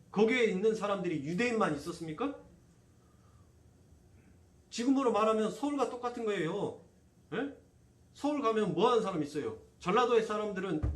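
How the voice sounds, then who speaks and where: Pastor guy preaching, high voice, lots of questions to the pews, echoey room. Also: far from the mic. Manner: preaching with constant rhetorical questions to the congregation. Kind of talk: sermon. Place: church sanctuary.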